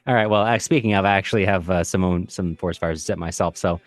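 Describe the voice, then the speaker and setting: A man's voice: deep voice, fast talker, no echo. A man from California with an American accent, co-hosting a casual literary discussion in a reflective way with some wry joking. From California, USA. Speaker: podcast co-host.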